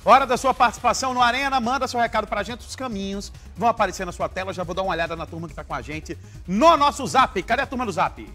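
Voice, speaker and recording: Brazilian male sports anchor, 30s, high bright voice, upbeat studio delivery, faint music under him. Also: lively intonation, fast. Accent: Brazilian Portuguese. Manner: upbeat, reads viewer messages aloud. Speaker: sports show host. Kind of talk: live TV sports talk.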